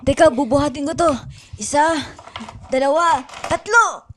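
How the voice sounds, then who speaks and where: A woman acts a small boy with a high, childlike voice. He is polite, naive and a bit lonely, played in an improvised comedy radio play. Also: normal speed, a bit bright, a little hiss or hum. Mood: curious. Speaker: improv radio drama performer. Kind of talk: improvised comic radio drama.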